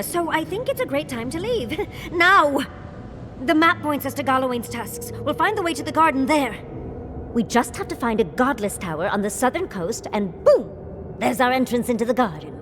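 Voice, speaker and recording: Excitable young scholar companion, high voice, enthusiastic explainer, game music underneath. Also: female voice. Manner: animated, chatty, enthusiastic explainer. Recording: game audio with music behind.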